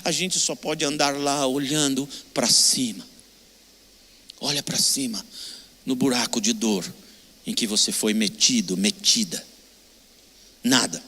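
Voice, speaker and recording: A man's voice: medium pitch, pushed and bright, in a large hall. An older man preaching a sermon with a Brazilian Portuguese accent, emotional and emphatic, repeating short phrases. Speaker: pastor.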